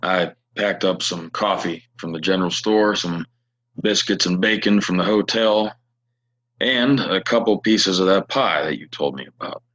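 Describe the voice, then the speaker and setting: An actor playing a reserved, weary, honorable drifter in a Western audio play, halting and solemn, on a dull recording. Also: male voice, sits low, fairly bright tone. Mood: fond, solemn.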